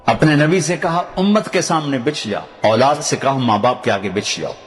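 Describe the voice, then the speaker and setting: An older Pakistani man with a Punjabi accent delivers a storytelling sermon. He sinks into a low register whenever he recites scripture. His voice sits at a middling pitch and rings with the long reverb of a big hall. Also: lively intonation. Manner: storytelling preacher, recites Arabic verses in a low tone. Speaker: Islamic preacher.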